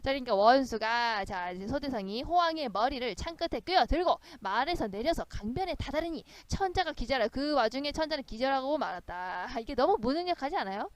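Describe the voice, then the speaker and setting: High, lively woman tutor. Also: brisk, few pauses, no echo. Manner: animated, acts out lines from the story in voices, often laughs. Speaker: literature tutor. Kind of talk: exam literature lecture.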